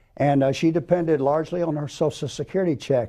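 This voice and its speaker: A man with an American accent and an ordinary speaking voice talks at a fairly high pitch and a fairly quick pace. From Florida, Fort Lauderdale. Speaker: advocacy group leader. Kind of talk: TV call-in interview.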